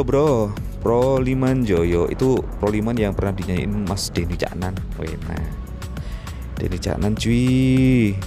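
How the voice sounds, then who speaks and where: Low-voiced man motovlogging. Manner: chatty, rambling, frequent fillers. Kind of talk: casual chat while riding. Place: outdoors on a motorbike in traffic.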